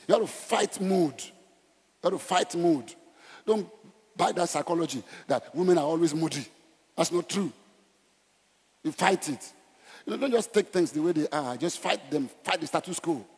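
Man, Nigerian accent, evangelistic sermon, emphatic exhortation, slightly high husky voice, reverberant church hall. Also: darkish tone. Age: middle-aged. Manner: emphatic, exhorting, with repeated short phrases. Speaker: pastor. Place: large church auditorium, on stage. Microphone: headset. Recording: echoey church hall sound.

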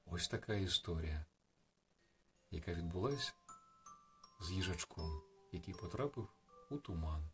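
A man reading a bedtime story on the radio in a calm, soft, reflective manner. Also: low voice, unhurried, long pauses. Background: faint music.

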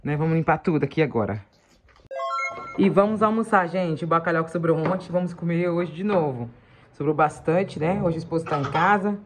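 A woman's voice: low voice, a little fast. A mother chatting casually to viewers as she films her family's day at home and out walking. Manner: chatty, addresses viewers as "gente", coos to her children. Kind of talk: casual vlog narration. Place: home and outdoors on a hot street and park.

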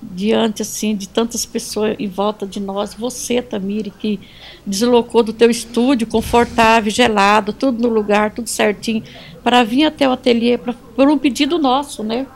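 A woman's voice: on the high side, steady tone, moderate pace, gravelly. A woman who owns an atelier, giving an earnest speech of thanks indoors and sprinkling it with religious phrases. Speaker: atelier owner, guest.

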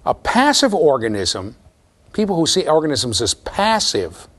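Lively man lecturing a class. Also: measured pace. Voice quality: low voice. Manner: lively, conversational, addresses students directly. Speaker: university lecturer.

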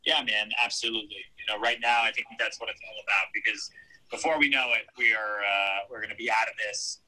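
Man, on speakerphone, crisp bright tone, upbeat, reflective. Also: lowish voice, steady tone, brisk, low-quality recording. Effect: heard over speakerphone. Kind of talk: casual video call chat.

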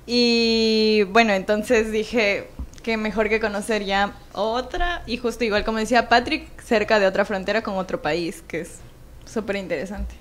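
Young Ecuadorian woman, medium pitch. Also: normal speed. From Quito, Ecuador. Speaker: interview guest, student. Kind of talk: unscripted conversational interview answers.

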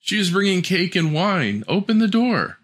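A crafty storybook wolf who sweet-talks his prey, played by a man reading aloud. His coaxing voice rides up and down with lively swoops. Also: high-pitched, normal speed, voice pushed up, exaggerated voice. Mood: sly. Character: cunning, sly male wolf.

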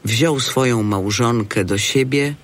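Slow-paced male scripture narrator. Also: mid-range voice.

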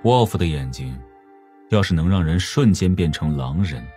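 An actor playing a cunning, teasing older mastermind in an audiobook drama, with a theatrical, unhurried drawl. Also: male voice, low voice, animated, dark tone, soft background music. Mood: ominous, teasing.

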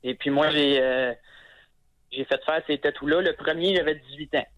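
A man's voice: a little high, fairly even intonation, moderate pace. A man in his twenties with a Quebec French accent, calling in to a talk show and telling his story hesitantly, with many fillers and restarts. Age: 20s. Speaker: caller. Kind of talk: phone-in call on a talk show. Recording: muffled phone-in line.

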